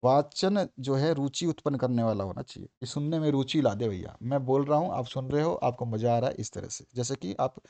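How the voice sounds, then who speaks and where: Guy teaching exam prep, says stuff twice, punches words loud in the examples. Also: medium pitch, lively intonation, fairly quick, vocal fry, few pauses. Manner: explains points by repeating them, with "theek hai" checks; acts out examples with sudden loud stress.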